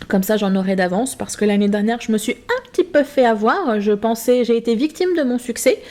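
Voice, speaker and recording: A woman's voice: fairly high pitch, expressive, brisk, darkish tone. A woman chatting casually to camera in her home craft room, rambling with many hesitations and a self-mocking tone. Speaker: craft vlogger. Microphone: built-in camera mic.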